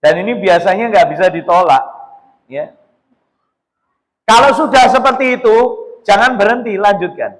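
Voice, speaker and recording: A male Islamic preacher, giving a casual, animated sermon to a women's study group. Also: sits high, normal speed, long pauses. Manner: casual preaching, mixing Javanese words, animated. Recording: echoey hall reverb.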